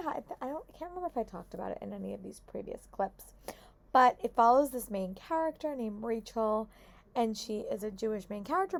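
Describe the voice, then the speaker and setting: A young woman chatting casually in a book vlog, hoarse from a long day of talking at work, upbeat with lots of "like" and restarts. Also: medium pitch, darkish tone. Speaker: book vlogger. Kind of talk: casual vlog check-ins.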